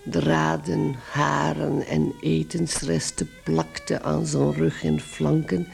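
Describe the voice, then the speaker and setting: A man narrating a radio drama in a measured, literary manner from a script. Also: fairly high pitch, flat delivery, gravelly, faint music behind.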